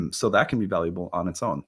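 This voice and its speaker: A man in his thirties, a little hoarse from a cold, hosting a relaxed, rambling talk about astrology. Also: on the low side. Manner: relaxed, rambling, with many fillers and restarts. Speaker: astrology teacher and channel host. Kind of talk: casual solo talk to camera.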